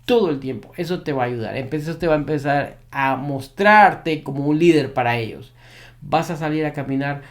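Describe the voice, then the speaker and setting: A man's voice: a little high, normal speed. A man who trains dogs giving an advice monologue to camera, repeating his key points with emphasis. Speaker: dog behavior trainer.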